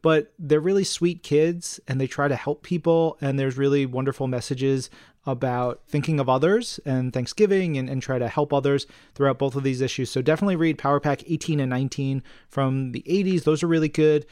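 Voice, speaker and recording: Clear-voiced, enthusiastic man, close and dry. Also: medium pitch, fairly quick, a little mellow, no room sound. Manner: enthusiastic, effusive. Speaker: podcast co-host. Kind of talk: casual podcast chat.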